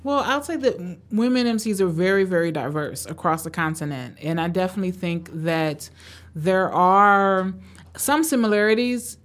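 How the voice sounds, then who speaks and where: A woman with a fairly low voice answers interview questions as a guest professor. She talks in a relaxed, thoughtful way, often pausing and using fillers. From Tanzania, raised in Cleveland, Ohio.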